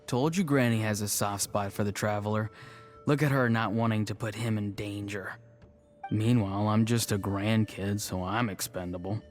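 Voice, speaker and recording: A man's voice: fairly low pitch, steady tone, moderate pace, soft background music, lightly acted. A man playing an earnest, lightly teasing young tribal grandchild in a video game. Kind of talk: video game cutscene acting.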